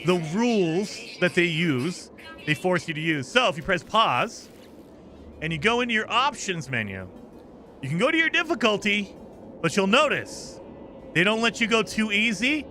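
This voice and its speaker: With faint music behind him, a man speaks at normal speed in a high, bright, forceful voice full of big pitch swings. He's live-streaming a game, cheerfully chatting, explaining the rules, and thanking viewers by name, a bit scratchy from days of streaming.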